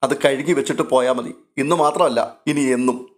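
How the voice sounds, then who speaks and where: A man's voice: medium pitch, moderate pace, lightly acted. A man reading out a stern, bossy woman of the household, voicing her in a curt, scolding way.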